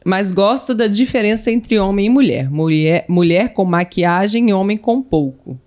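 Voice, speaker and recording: A woman co-hosting a casual live podcast, talking quickly and reading listener comments aloud. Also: mid-range voice, animated, a little mellow. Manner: talks fast, reads comments aloud, agreeable "sim". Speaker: podcast co-host.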